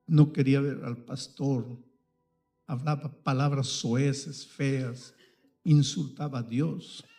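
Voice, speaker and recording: A male pastor tells a story from the pulpit. His voice is dark and mellow, and it leaps and drops dramatically as he tells it. Faint music plays softly behind him. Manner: dramatic storyteller with sudden swings in pitch and force. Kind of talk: storytelling sermon.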